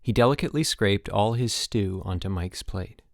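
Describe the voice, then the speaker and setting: A man's voice: fairly low pitch, moderate pace, gravelly, no room sound, clean studio sound. A man reading an audiobook, narrating a story expressively.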